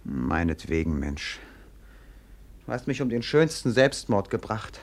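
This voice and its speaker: An actor playing a melancholy, rapturous young prince in a classic German radio play, with poetic, declamatory delivery. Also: male voice, fairly low pitch, very animated, measured pace. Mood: sulky, deflated. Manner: poetic, declamatory, swinging from hushed to ecstatic.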